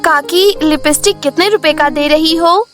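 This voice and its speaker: Timid, sweet little girl for a cartoon story, voiced by a woman: extremely high voice, polite, innocent, faint music behind. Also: moderate pace, a bit bright. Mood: polite, hopeful. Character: meek, sweet little schoolgirl, motherless and timid. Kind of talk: Hindi cartoon storybook acting.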